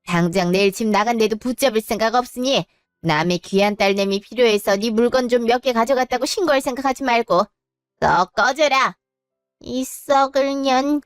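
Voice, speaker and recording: Brief: woman as abusive mother-in-law for an audio drama; high, smooth, dry studio sound. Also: normal speed, no echo, soft background music, close to an everyday voice. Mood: scornful. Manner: scolding, abusive. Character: scornful middle-aged mother-in-law, harsh and insulting.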